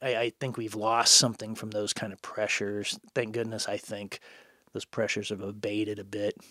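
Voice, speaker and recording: With an American accent, a man speaks at a fairly quick pace in a medium pitch and a bright, sharp tone, recorded dry and close with no echo on a very clean recording with a silent background. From Kansas. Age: 60s. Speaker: writer, poet and bookstore owner. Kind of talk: casual chat.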